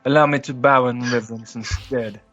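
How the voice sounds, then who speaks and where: A man's voice: mid-range voice, fairly even intonation, a little fast, fairly bright tone, dull audio, faint music behind. A man playing a tabletop game, improvising dialogue in an ornately polite, formal manner.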